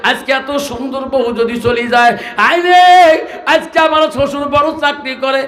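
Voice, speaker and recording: A preacher acting out a husband pleading in high cries. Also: male voice, moderate pace, roomy sound. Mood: tearful pleading. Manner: tearful pleading, breaking into shouted sung cries. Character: pleading young husband and devoted son.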